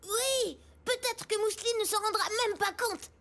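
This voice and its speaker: A high-voiced playful small boy. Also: moderate pace, bright, forceful tone, a little hiss or hum, heavily acted. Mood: friendly. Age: child character. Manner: chatty, game-playing, childlike. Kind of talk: cartoon dub dialogue.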